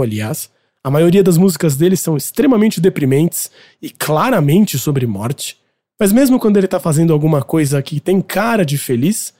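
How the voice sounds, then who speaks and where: Chatty Brazilian man with a mellow voice. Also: on the high side. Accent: Brazilian Portuguese. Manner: chatty, opinionated, explanatory. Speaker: podcast host presenting a music segment. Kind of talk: casual music commentary.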